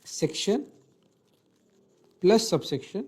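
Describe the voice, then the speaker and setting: This online law lecture comes from a man whose voice sits high and sounds expressive, slow, a little mellow, with a breathy edge. Explaining a legal text in Hindi laced with English legal terms, he repeats phrases and checks in using "thik hai."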